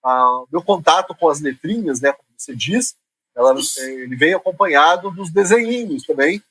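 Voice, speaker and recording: A middle-aged man from Curitiba with a local accent, a guest talking in a relaxed, self-deprecating way. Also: a little high, moderate pace, breathy edge, dry recording, low-quality recording. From Curitiba, Brazil. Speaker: guest columnist. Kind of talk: casual interview chat.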